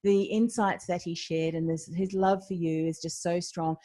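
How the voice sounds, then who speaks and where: A woman's voice: on the low side, fairly even intonation, normal speed, mellow. A woman from Australia hosting an interview podcast, encouraging her guest and leading a short prayer. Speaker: podcast host.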